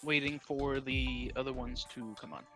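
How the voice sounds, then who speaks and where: Casual man at tabletop game, medium pitch. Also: fairly even intonation, normal speed, fairly bright tone, soft background music. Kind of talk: casual role-play chat.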